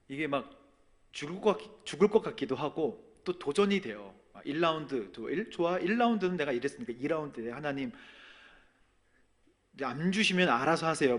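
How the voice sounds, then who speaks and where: A man preaching a sermon as a pastor, telling a personal testimony and swinging between soft and loud. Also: a little high. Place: church sanctuary.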